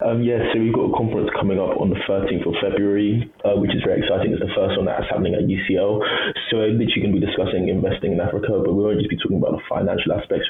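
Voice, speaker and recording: A young man from Nigeria, a conference organiser, talking about his event with some ums. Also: deep voice. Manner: rapid, hesitant with ums. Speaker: conference co-executive. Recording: tinny echoey call line with faint noise.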